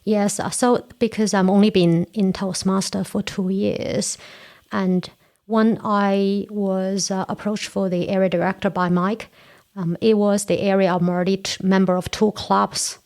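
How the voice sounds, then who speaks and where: Speaking a little slowly in a level, medium-pitched, darkish voice, this woman in her forties is a podcast guest and Toastmasters area director. Originally from China with Korean as her first language, she earnestly walks through ideas step by step in a casual interview chat.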